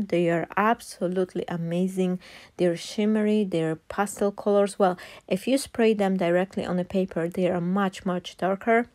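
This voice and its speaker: A woman's voice: on the low side, a little mellow. A woman in her thirties from Poland with a Polish accent, talking through a card-making tutorial in an enthusiastic, chatty way with many fillers and restarts. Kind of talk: chatty craft tutorial voice-over.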